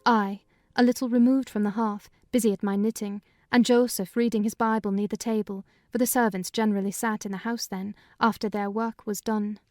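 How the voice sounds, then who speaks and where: A woman narrating a dramatized audiobook reading in a measured storytelling manner. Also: mid-range voice, flat delivery, darkish tone, no room sound, clean studio sound.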